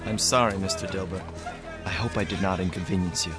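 A reserved young Native American man played by an actor in a radio drama, proud but uneasy. His voice is on the low side, plain and earnest. Music sounds behind him. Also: steady tone, a little fast, close to an everyday voice. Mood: apologetic, earnest.

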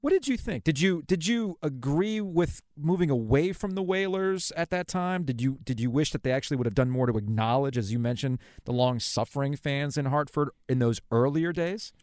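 A man's voice: fairly high pitch, animated, normal speed, few pauses, a little mellow, dry recording, clean studio sound. A man hosting a sports podcast interview, informal and thinking aloud as he rephrases his questions.

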